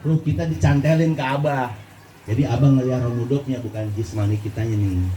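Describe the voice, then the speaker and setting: A man delivers a lively Sufi sermon at a gathering in a hall, speaking with a lilt at a slightly fast pace. He quizzes the audience and swings between low and high pitch. The echoey recording picks him up from far off, with a little hiss or hum.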